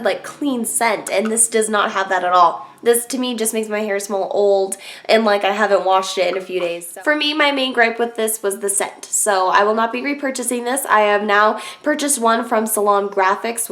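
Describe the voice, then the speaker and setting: A woman's voice: medium pitch, a bit bright. A young woman with a stuffy, congested voice, chatting casually through a product review with lots of filler words. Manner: chatty, filler-heavy, frank opinions. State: congested from a cold. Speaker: beauty vlogger.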